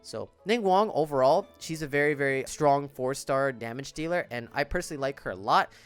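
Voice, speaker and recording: A man's voice: mid-range voice, brisk, smooth. A man giving casual, informal commentary on a video game as a content creator, often stressing his words. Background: background music.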